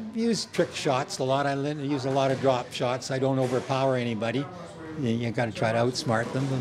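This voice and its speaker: With noticeable background noise, a man talks at a fairly quick pace with ordinary pitch variation. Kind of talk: interview answer. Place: hall.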